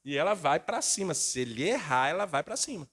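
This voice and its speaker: A middle-aged male pastor preaching a sermon, acting out family members' voices in lively bursts. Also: on the high side, brisk, slightly rough.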